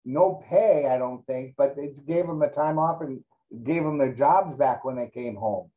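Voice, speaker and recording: A middle-aged man whose first language is Greek, reflecting in an oral history interview, halting and restarting often. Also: mid-range voice, muffled recording.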